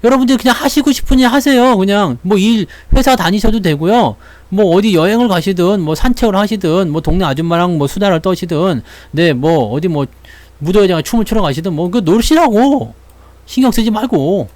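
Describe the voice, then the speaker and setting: A man's voice: high voice, fairly quick, darkish tone, dry recording. A man hosting a stock market channel, talking in a casual, playful way and acting out little voices as he chats. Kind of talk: casual chat.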